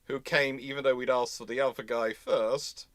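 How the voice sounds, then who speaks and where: A man's voice: mid-range voice, fairly even intonation, normal speed, a bit bright, no echo. A man with a British accent hosting an unscripted live chat, rambling and rephrasing himself as he explains. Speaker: host of a live history stream.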